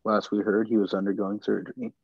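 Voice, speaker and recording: A man reading the part of a small-town reverend addressing his church, measured and solemn. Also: fairly low pitch, level tone, vocal fry, husky, no echo, highs cut off. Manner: measured, preaching. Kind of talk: script table read.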